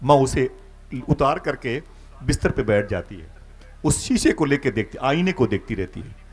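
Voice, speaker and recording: Man, Islamic preacher, dramatic storyteller who voices every character with sharp high loud bursts. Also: expressive, faint music behind. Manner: dramatic, acts out dialogue with sudden high loud outbursts. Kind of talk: religious storytelling speech at a gathering.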